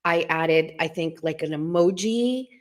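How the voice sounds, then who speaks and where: A middle-aged woman hosting a live stream from home, chatting in a hushed, rambling way so she won't wake anyone. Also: measured pace. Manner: talking low and hushed to keep from waking someone; chatty and rambling, full of asides and restarts.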